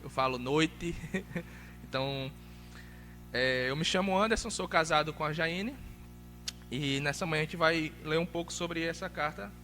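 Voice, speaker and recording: A man's voice: a little high, measured pace, long pauses, pushed and bright, in a large hall, slight background noise. A man with an accent from Alagoas in northeastern Brazil, preaching a sermon as a missionary, conversational at first and growing more emphatic. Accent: Alagoas Northeastern Brazilian Portuguese. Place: church sanctuary.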